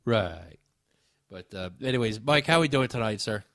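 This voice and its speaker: A man's voice: fairly low pitch, animated, normal speed, fairly bright tone, no echo, clean studio sound. A man hosting a talk radio show, wry and rambling with frequent filler sounds.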